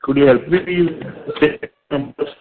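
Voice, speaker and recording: A man's voice: on the high side, fairly even intonation, a little slow, vocal fry, a crowd in the background. A man with an Indian accent asking questions as an analyst on an earnings call, polite and hesitant. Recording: thin, patchy phone line.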